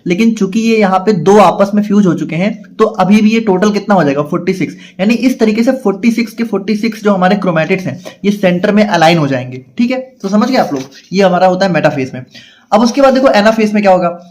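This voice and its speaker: A man teaching a pharmacy class, explaining step by step in casual lecture style and reading definitions out slowly. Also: sits high, lively intonation, a little mellow. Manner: explains step by step, asks and answers his own questions; reads English definitions out slowly, explains them in Hindi. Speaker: pharmacy tutor.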